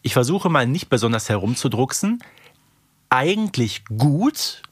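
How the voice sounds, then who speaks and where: A man's voice: mid-range voice, very animated, measured pace, slightly rough, no echo. A man hosting a podcast, chatting casually and colloquially about his opinions, often tagging phrases with little questions. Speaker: podcast host. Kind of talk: casual review chat.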